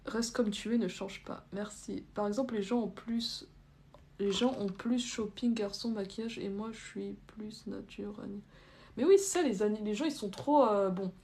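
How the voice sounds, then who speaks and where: With a medium-pitched, mellow voice at normal speed, a young adult woman from France hosts an informal live chat. She reads out what viewers write and responds bluntly in hesitant, loose phrasing. There's a little hiss or hum in the audio.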